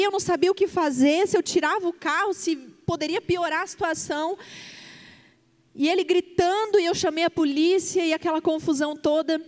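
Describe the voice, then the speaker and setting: High-voiced woman pastor in a reverberant hall. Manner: emotional, vivid retelling with quoted dialogue. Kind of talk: sermon storytelling.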